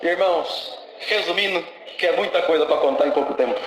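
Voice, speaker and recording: A man's voice: fairly high pitch, brisk, heavy background noise. A young man in his twenties giving an emotional church testimony, fervently breaking in with praise to God between sentences. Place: church service hall. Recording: echoey church hall recording.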